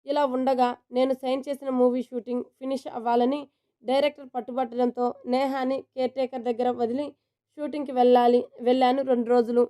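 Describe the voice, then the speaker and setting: A man's voice: extremely high pitch, flat delivery, fairly quick, warm tone, clear, resonant tone. A woman voicing Adi, an anguished young man. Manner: pleading and heated, confessional. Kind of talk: storybook reading.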